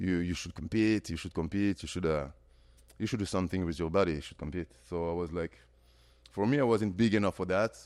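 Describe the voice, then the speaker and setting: Someone speaks very fast with a French accent. The background is quiet. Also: man, very deep, low pitch for a man, ordinary pitch variation. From France. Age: 40s. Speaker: bodybuilder. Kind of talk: casual chat. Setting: studio. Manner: halting, many fillers and repeats.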